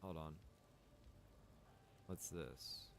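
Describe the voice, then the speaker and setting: A man's voice: a bass voice, very slow, fairly bright tone. A man who streams games, thinking aloud casually and muttering to himself in a baffled way. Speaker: game streamer. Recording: clear background noise.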